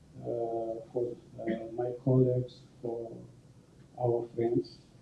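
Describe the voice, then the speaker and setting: A man speaks very slowly at a medium pitch with a dark, mellow tone, somewhat breathy and with fairly even intonation. Audible room echo surrounds his voice. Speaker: politician. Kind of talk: unprepared conference speech. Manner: halting.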